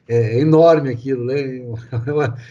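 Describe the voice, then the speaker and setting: A man's voice: medium pitch, moderate pace, mellow, highs cut off. A man hosting an interview, telling local history in a loose storytelling way. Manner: storytelling, many fillers and restarts. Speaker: host. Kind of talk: conversational interview.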